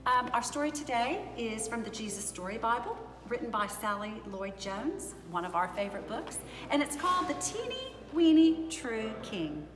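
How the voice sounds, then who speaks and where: A woman with a fairly high voice hosts story time for children. She explains things casually and simply, repeating words for gentle emphasis. The sound is echoey and reverberant, with faint music behind her. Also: very animated, normal speed, few pauses. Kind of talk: casual talk to young children.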